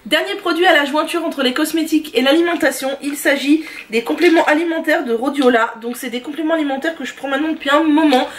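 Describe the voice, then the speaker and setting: A woman with a high voice talks through her favorite products in a chatty, enthusiastic vlog at home. She often pauses on small fillers as she goes. Her voice sounds set back from the microphone. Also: slight background noise. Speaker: beauty and lifestyle vlogger. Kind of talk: casual product review monologue. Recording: voice distant from the mic.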